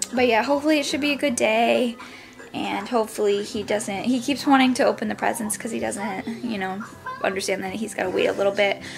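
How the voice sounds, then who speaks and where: A woman talks at a very fast pace with ordinary pitch variation. Faint music plays in the background. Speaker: family vlogger. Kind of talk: casual vlog chat. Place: home room. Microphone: phone near.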